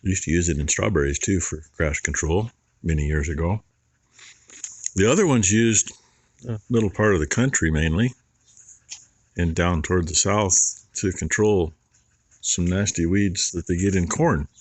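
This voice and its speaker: A man's voice: deep voice, moderate pace, long pauses, no echo. A man who farms, talking casually and plainly in a folksy, rambling way while filming outdoors. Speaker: farmer vlogger. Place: outdoors on a farm near a barn.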